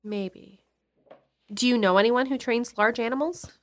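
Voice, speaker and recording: A woman playing a composed police detective in an audio drama, questioning in a measured, polite but official manner. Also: fairly high pitch, close to an everyday voice. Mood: probing, composed.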